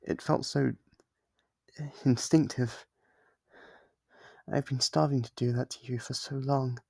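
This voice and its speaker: A breathy, gravelly demon, acted by a man in an ASMR roleplay, recorded close and dry. He is lonely and clingy, speaking with tender, obsessive devotion and hesitant, coaxing intimacy. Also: mid-range voice, steady tone, slow, a little mellow, no room sound. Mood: devoted, tender.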